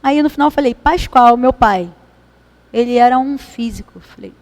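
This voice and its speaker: High-voiced Brazilian woman leading a spiritist study. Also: normal speed, darkish tone. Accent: Brazilian Portuguese. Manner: conversational, asks the room for agreement. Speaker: study group leader. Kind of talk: spiritist study talk with readings. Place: meeting hall.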